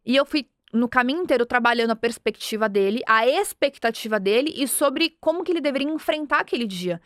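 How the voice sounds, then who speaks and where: A woman from Brazil in her thirties, hosting a podcast and telling a personal story in an earnest, animated way, acting out bits of dialogue. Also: a little high, fairly quick, no room sound, clean studio sound. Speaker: podcast host. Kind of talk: motivational storytelling.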